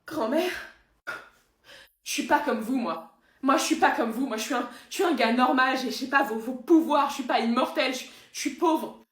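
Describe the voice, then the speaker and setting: A loud, aggrieved young man, as a woman plays him, complaining emphatically in a high, whiny voice. A roomy echo surrounds him. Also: sing-song, slow, pauses often, full character voice.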